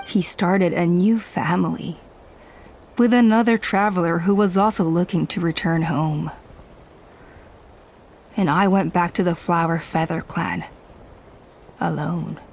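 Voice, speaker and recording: An actress playing a proud, scheming middle-aged tribal elder and mother who speaks in a calm, commanding, persuasive way in a video game. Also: lowish voice, measured pace, pauses often, slight background noise. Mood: sorrowful. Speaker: tribe elder.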